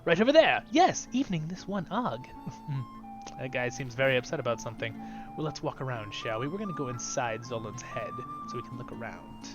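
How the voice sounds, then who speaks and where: A man's voice: medium pitch, animated, fairly quick, music in the background, rough recording. A man hosting his channel, giving casual, chatty commentary while playing a fantasy game. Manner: upbeat, chatty, drifts into softer asides. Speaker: YouTube channel host.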